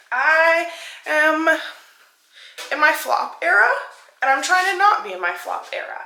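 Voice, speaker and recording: A woman's extremely high, raised and projected voice with very wide pitch swings, big swings in loudness and long, frequent pauses, with audible room echo. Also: fairly slow pace. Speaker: lifestyle vlogger. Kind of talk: vlog narration. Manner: casual, many fillers.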